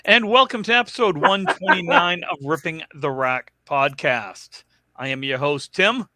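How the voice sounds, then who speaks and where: A man's voice: a little high, unhurried, sharp tone, no echo, studio quality. A man hosting a casual bowling podcast, chatting loosely and stumbling over fillers. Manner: rambling, fillers, self-deprecating. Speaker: podcast host.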